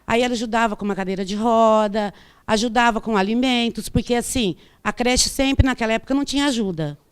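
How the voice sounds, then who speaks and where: A woman speaks as a witness at a formal hearing, hoarse from a cold. Her voice still carries smooth and resonant underneath the roughness. She talks plainly and haltingly, circling back to repeat her points. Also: fairly high pitch. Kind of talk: formal testimony.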